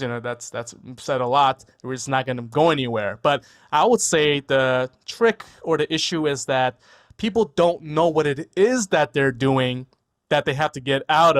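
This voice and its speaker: Here a guest physician from New York, a man in his forties whose first language was Korean, talks in a mid-range voice. Joining by video call from a room in his home, he keeps the interview casual and thoughtful, often repeating himself and ending with "right?"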